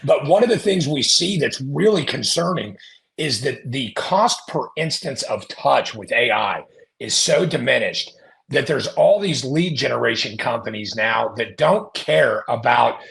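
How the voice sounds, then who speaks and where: A man's voice: medium pitch, unhurried, gravelly. A man talking as a guest on a podcast, telling stories and acting out the people in them. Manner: animated storyteller, acts out quoted voices. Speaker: podcast guest, marketing company founder. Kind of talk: casual podcast conversation.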